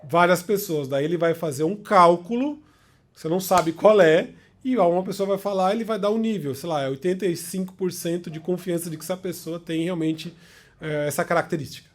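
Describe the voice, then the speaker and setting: A man's voice: sits high, a little fast. A man with a Brazilian Portuguese accent giving an informal explanatory talk as a lecturer, conversational and often checking in with his listeners. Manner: conversational, checks in with short tag questions.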